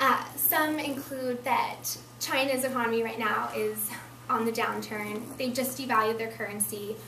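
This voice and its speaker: Fairly high female voice with fairly even intonation, audible room echo and light background noise. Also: moderate pace. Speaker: college student. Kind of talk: classroom speech. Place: classroom. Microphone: camera far.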